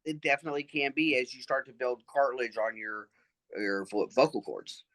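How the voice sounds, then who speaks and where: A trans man talks through his experiences in a relaxed interview, earnest and reflective, often pausing on fillers. His tone is bright and forward. The sound is dry and close, with no room around it. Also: medium pitch, no echo. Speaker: interview guest. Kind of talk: casual conversational interview.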